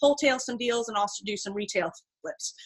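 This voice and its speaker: At a very fast pace, a woman speaks with ordinary pitch variation. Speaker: real estate entrepreneur. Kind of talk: interview.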